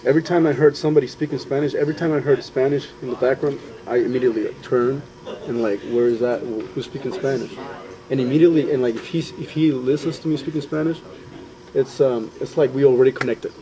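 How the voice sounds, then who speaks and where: A young man from Honduras talks thoughtfully about moving to the U.S., pausing often and restarting his sentences. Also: medium pitch, steady tone, poor audio. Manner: thoughtful, hesitant with fillers and restarts. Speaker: student interviewee. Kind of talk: personal testimony.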